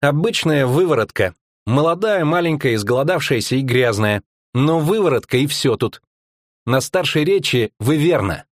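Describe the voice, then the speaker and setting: A man reading the lines of a cheeky, sharp-tongued teenage girl in mocking, matter-of-fact retorts. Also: mid-range voice, lively intonation, moderate pace, no echo, clean studio sound, pitched above the performer's own voice, close to an everyday voice.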